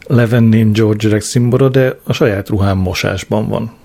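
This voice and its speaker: A man's voice: on the low side, steady tone, mellow. A man voicing a blunt, coarse old man. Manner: blunt, gruff.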